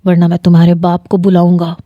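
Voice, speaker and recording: A woman's voice: fairly low pitch, completely flat delivery, dry recording, dull audio, natural voice. A woman voicing a stern middle-aged father in a narrated story, firm and scolding.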